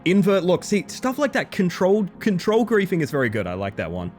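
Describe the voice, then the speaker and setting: A man streaming a video game, slightly hoarse, talking to his chat in an animated, joking way. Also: high-pitched, a little fast, faint music behind. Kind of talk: casual live-stream chat.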